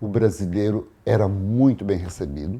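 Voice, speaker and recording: A somewhat breathy voice with a dark, mellow tone in a very clean recording with a silent background. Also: man. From Brazil, São Paulo. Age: 60s. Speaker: restaurant owner and caterer. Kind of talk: oral history interview. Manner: conversational, self-interrupting.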